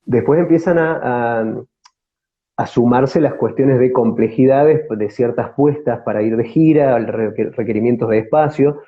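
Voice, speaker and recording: A man with a Córdoba Argentine accent, a theatre company actor appearing as an interview guest, answers conversationally in a mid-range voice at normal speed. He repeats words as he feels his way through, and the sound is thin and tinny.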